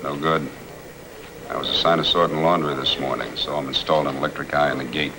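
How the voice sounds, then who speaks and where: A man's voice: extremely low pitch, fairly even intonation, quick pace. A male actor playing a cool, guarded, clever convict with terse delivery in a 1950s screen drama. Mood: firm. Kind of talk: 1950s black-and-white screen drama acting. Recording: noisy old film soundtrack.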